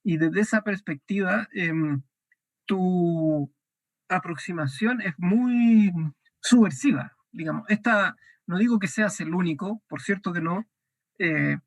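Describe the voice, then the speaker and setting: Un hombre con acento chileno que entrevista a su invitado, razonando en voz alta con pausas y muletillas. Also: male voice, high voice, no room sound. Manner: thoughtful, with frequent filler words. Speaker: interview host. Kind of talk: conversational interview.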